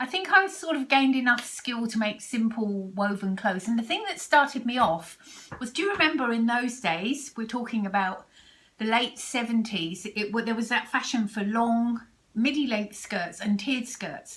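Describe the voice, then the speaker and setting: A woman speaks at a moderate pace with lively intonation and a fairly high pitch. There is noticeable background noise. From Britain. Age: 60s. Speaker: sewing vlogger. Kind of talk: casual vlog talk.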